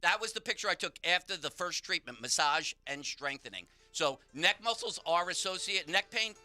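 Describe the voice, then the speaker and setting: A man's voice: sits high, lively intonation, moderate pace, bright, forceful tone, faint music behind. A man, a pain therapist, explaining how the body works on a call-in radio show. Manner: explanatory, instructive. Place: radio studio.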